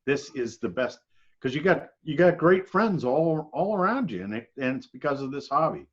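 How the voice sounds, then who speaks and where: A man's voice: fairly high pitch, big pitch swings, normal speed, slightly rough, muffled recording. A man chatting casually and encouragingly, like an experienced hobbyist talking to a newcomer. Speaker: experienced ham radio hobbyist. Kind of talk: casual chat.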